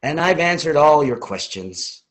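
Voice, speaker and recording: A wry, teasing forty-year-old charmer. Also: male voice, a little high, lively intonation, unhurried, a bit bright, rough recording. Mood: earnest. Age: 40s. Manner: wry, teasing, lightly joking. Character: charming playful 40-year-old man, hotel owner. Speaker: interviewee.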